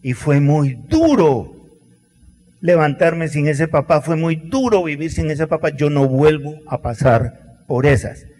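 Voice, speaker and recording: A middle-aged man preaching a sermon, telling stories with acted quotes and dramatic pauses. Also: on the high side, a little mellow. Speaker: pastor. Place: large church hall. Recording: long church hall reverb.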